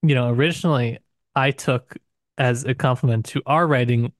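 A man with a mid-pitched voice talks through books as a podcast co-host. His delivery is casual and discursive, full of hedges and asides. The recording is dry, with little room sound. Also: normal speed, no echo.

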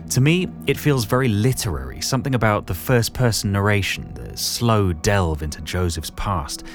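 Low british guy, podcast host doing a friendly-style intro, music behind him. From Britain. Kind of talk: podcast introduction, conversational recommendation.

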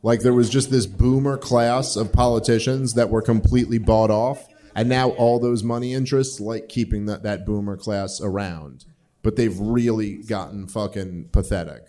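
A man's voice: on the low side, steady tone, moderate pace, dark tone. A man around forty, a podcast host answering audience questions in a rambling, profane way with lots of filler words. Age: 40s. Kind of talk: casual live Q&A talk.

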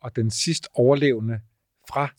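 A man's voice: mid-range voice, steady tone, no room sound, studio quality. A man hosting an interview, steering the talk with brief prompts and questions. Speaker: host.

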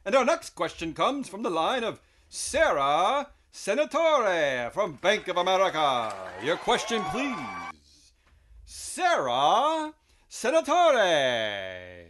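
A man's voice: sits high, wildly swooping pitch, slow, noisy background, full character voice. A man playing a formal conference-call operator, announcing questioners in a stiff, theatrical way. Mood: ceremonious. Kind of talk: theatrical reenactment of an earnings call.

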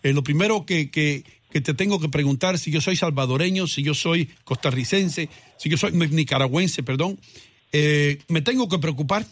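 A man's voice: fairly high pitch, normal speed, no room sound. A male radio host introducing a guest and asking questions, hesitant and restarting his sentences. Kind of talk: casual radio interview.

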